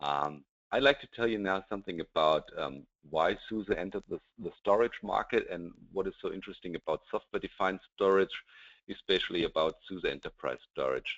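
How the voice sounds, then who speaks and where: A man speaks at a fairly quick pace with a German accent. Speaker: software sales manager. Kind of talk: webinar presentation. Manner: hesitant, with filler words.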